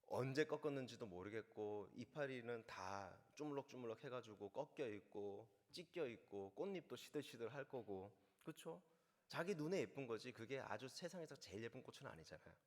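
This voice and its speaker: A male pastor preaching a sermon in a storytelling manner, slowing down to weigh quoted words. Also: mid-range voice, big-room sound.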